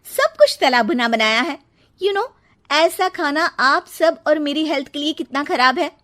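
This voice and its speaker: A woman's voice: high voice, lively intonation, fairly bright tone, pitched above the performer's own voice. A woman voicing a young, fitness-obsessed daughter-in-law who fusses in a cartoon story. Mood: fussy. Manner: fussy, self-absorbed, drawn-out.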